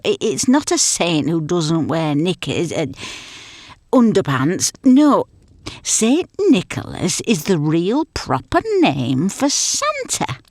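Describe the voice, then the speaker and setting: A woman's voice: mid-range voice, no echo. A woman voicing a kindly, patient but easily flustered old Yorkshire grandma in a comic story, fussily explaining and correcting herself. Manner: fussy, explanatory, self-correcting.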